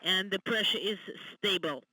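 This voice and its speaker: A man calling out procedure steps over a radio communication loop, measured and clipped. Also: high-pitched, sharp tone, slightly rough, dry recording, low-quality recording. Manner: measured, reads out times and checks step by step.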